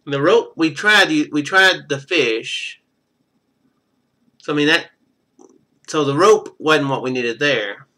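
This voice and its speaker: A man's voice: fairly high pitch, takes it slowly, long pauses, bright, forceful tone. A man doing casual video game commentary, thinking aloud as he plays.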